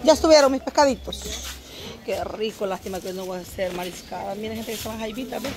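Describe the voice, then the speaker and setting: A middle-aged woman with a mid-range, darkish-toned voice talks fast in her casual market-shopping vlog. She chats with vendors at the outdoor market and speaks right to her viewers.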